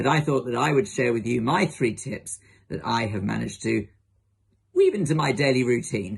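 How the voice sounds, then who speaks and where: A man puts on a croaky character voice at medium pitch, speaking at a moderate pace. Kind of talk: conversational, addressing an audience.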